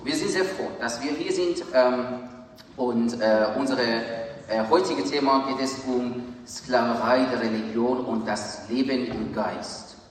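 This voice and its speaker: Halting preacher in a booming hall. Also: male voice. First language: Farsi. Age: 30s. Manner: halting, searching for words, earnest. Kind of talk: sermon. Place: large church hall. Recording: echoey church hall from far off, faint hiss.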